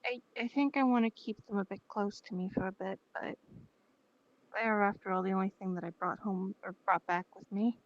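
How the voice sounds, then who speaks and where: A woman playing a timid, curious newcomer in improvised roleplay, speaking tentatively and haltingly on a lo-fi mic. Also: mid-range voice, fairly even intonation, no echo, lightly acted. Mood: tentative, caring. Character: timid, curious lab-raised newcomer attached to pet mushrooms. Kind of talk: improvised in-character virtual-world roleplay chat.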